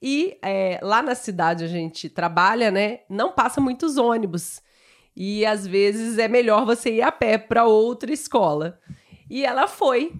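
A Brazilian woman co-hosting a Portuguese lesson, explaining in a friendly, chatty way and telling a short story. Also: medium pitch. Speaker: co-host of a Portuguese lesson channel.

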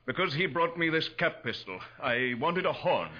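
A man's voice: on the high side, animated, normal speed. A man acting a tense, bitter businessman suspect in a 1940s radio crime drama. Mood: uneasy, reciting. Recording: dull vintage 1940s radio recording.

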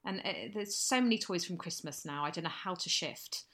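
A woman from England co-hosting a casual chat show, telling stories in a lively, animated way with sudden high bursts. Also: brisk. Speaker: podcast co-host.

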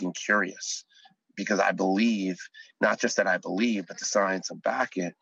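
Deep gravelly husky-voiced man. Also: a bit bright, no room sound, poor audio. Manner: earnest, driven, speech-like. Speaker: podcast guest, educator. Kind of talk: casual podcast interview.

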